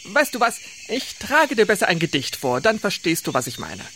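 A woman's voice: on the low side, normal speed, slight background noise. A woman playing an imaginative, playful adventuring captain in a children's audio drama. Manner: lively, playful, storytelling.

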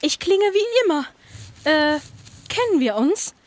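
A woman voicing a gruff, touchy, bearded old male forest troll in a comic audio play. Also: extremely high pitch, very animated, slow pace, slight background noise, full character voice.

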